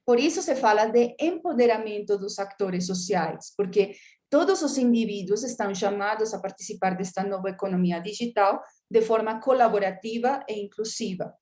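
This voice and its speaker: An academic lecturer gives a slide-based lecture in a medium-pitched, darkish voice at normal speed. She is hesitant, filling her pauses with many filler sounds as she searches for words.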